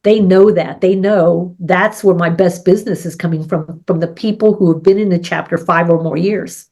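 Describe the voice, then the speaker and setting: A woman's voice: on the low side, steady tone, moderate pace, darkish tone. A middle-aged woman with a head cold co-hosting a casual business chat, explaining her points with examples and often asking "right?". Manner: explains with sports and farming examples, asks "right?". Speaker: co-host.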